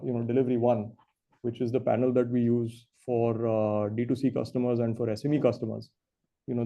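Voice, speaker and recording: A man speaking as a company executive, giving measured, explanatory answers on an earnings call. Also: mid-range voice, vocal fry, muffled recording.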